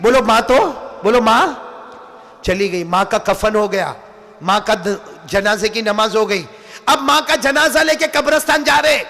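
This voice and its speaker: A man preaching a sermon to a crowd, his voice very high, bright and cutting, with a gravelly edge. He calls on the listeners to repeat after him and swings from shouts down to hushed lines. The sound rings with a long reverb, as in a big hall. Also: normal speed. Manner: call-and-response, urging the crowd to repeat. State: tired. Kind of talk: religious sermon.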